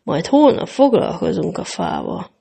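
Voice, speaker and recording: A woman voicing a practical family mother in a storybook reading, brisk and commanding. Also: lowish voice, big pitch swings, gravelly, mellow, husky, full character voice. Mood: firm.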